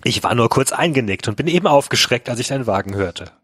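A man's voice: medium pitch, expressive, fast, a bit bright, slightly rough, dry recording. A man hosting a podcast, reading a story aloud with amused, wry asides and joining a casual chat. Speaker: podcast host.

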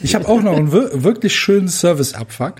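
A man's voice: high-pitched, expressive, a little fast, background noise. A man co-hosting a casual football podcast, telling a wry anecdote and acting out both sides of a phone call. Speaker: podcast co-host.

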